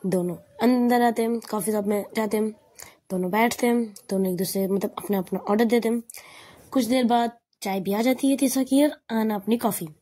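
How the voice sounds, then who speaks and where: Breathy woman telling a story casually. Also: fairly high pitch, normal speed, mellow. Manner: chatty, rambling, frequent restarts.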